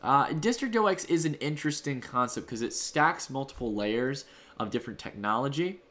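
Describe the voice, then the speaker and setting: A man's voice: medium pitch, expressive, moderate pace, fairly bright tone. A man hosting a livestream from home, casually thanking donors and answering chat in a loose, rambling way. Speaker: livestream host. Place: home room.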